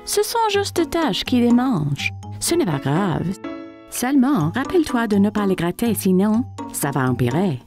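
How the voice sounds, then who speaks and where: Patient, gentle cartoon mom, animated swings in a high register, soft music underneath. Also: female voice, moderate pace. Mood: reassuring. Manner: gentle, reassuring, expressive. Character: caring, patient young mother of small boy. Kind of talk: children's cartoon dub.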